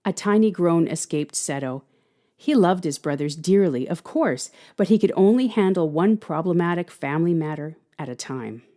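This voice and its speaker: A woman reading scripted fiction as an expressive audio drama narrator. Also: on the low side, normal speed.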